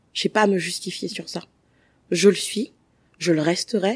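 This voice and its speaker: Here a woman talks at a moderate pace with a medium pitch. Her pitch varies in an ordinary way. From French Guiana. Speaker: lawyer. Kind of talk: interview.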